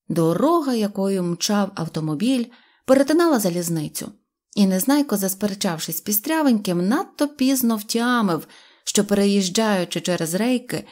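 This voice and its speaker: A woman reading a children's storybook aloud with a lively, expressive delivery. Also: medium pitch. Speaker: audiobook reader. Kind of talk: storybook narration.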